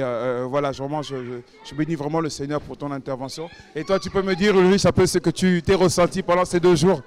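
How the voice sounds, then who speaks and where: Stammering man interviewing church members. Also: a little high. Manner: stammering, restarts questions.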